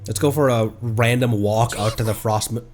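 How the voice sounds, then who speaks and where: A man's voice: medium pitch, steady tone, normal speed, a little mellow, slight background noise. A man livestreaming a game, playful and theatrical, reacting and reading dialogue aloud. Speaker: streamer. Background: faint game music.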